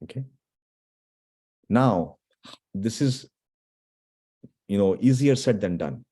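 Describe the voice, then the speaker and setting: A man's voice: on the low side, lively intonation, slow pace, mellow, breathy edge. A man giving an earnest online talk to students, often restarting phrases and checking in with his listeners. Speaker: guest speaker.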